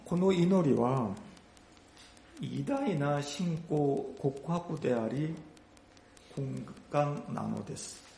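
A man preaching a sermon in a slow, unhurried delivery, his voice swinging widely in pitch. It has a gravelly texture and carries through an echoey room. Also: expressive, mellow, slight background noise. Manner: dramatic storytelling, rising emphasis.

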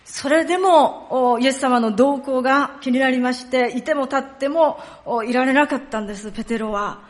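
A woman giving a sermon. She tells the story vividly and sometimes drops to a hushed tone for solemn parts. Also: sits high, moderate pace. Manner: storytelling, acts out quoted lines and dialects. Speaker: pastor.

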